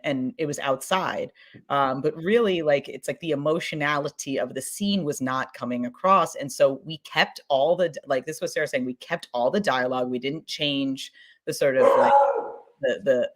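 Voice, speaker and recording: Woman chatting informally, rambling and expressive. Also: low-pitched. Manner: animated storytelling with mimicked sound effects and acted-out quotes. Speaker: scripted podcast producer on a panel. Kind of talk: casual panel talk on audio production.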